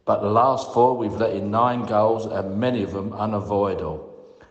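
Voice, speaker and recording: A man's voice: fairly low pitch, steady tone, normal speed, highs cut off. A man leaving a voicemail for a podcast, giving a methodical, critical fan's opinion point by point. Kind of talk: prepared point-by-point match opinion. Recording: echoey, reverberant room voicemail.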